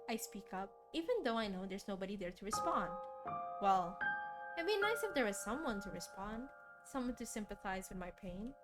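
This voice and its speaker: A woman game streamer reading a visual novel aloud in an expressive, dramatic storytelling style. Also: medium pitch, normal speed. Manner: expressive, dramatic read-aloud with casual asides. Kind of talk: soft storytelling narration. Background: game music.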